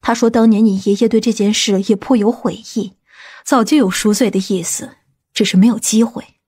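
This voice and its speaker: A woman playing a stern, commanding woman from a powerful family in an audiobook drama, speaking gravely and deliberately. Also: mid-range voice, steady tone, mellow, close to an everyday voice. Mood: grave, persuading.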